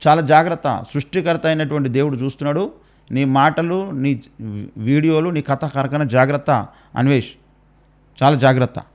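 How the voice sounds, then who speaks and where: A man's voice: a little high, moderate pace, pauses often. Scolding man with a Telangana Telugu accent. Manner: scolding, hammering rhetorical questions and repeated warnings. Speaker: Christian commentator. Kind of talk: preachy rebuttal.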